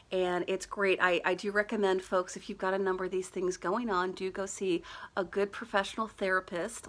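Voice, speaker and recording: Lady coach talking folks through stress tapping, gentle and reassuring, lots of little uhs. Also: medium pitch. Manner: gentle, reassuring and conversational, with frequent "uh" fillers. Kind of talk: guided wellness talk to a live online audience.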